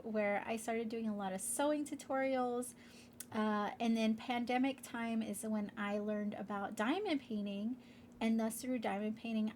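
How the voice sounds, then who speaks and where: A woman with a slightly high voice chats through her crafting vlog, congested and a little nasal. She rambles along with plenty of fillers. A faint hum sits behind her. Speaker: crafting channel host. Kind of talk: casual chatty vlog.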